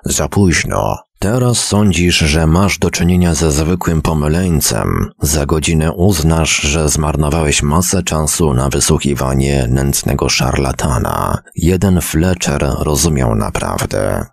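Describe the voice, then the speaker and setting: A man's voice: a bass voice, a little slow, vocal fry, few pauses, breathy edge, dry recording, studio quality, heavily acted. A man reading a story aloud and voicing a drunken, bloated man who rambles on about having once been a great scientist. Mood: drunken rambling. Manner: mumbling, rambling, slurred. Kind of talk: audiobook character reading.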